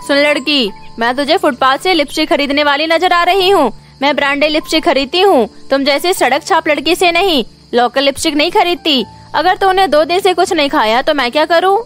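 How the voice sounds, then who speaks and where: A haughty rich lady from a cartoon tale, put on by a woman storyteller, high-pitched and quick. She snaps with open scorn and dismisses whoever she speaks to. Music runs behind the voice. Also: a bit bright. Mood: scornful. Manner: snapping, dismissive. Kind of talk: cartoon moral story character acting.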